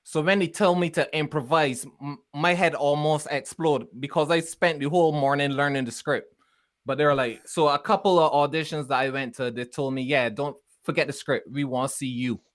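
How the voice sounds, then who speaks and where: A man with a Bajan accent telling anecdotes in casual, animated podcast chat as a comedian on the panel. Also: a little high, normal speed. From Barbados. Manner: animated storytelling, breaking into laughter.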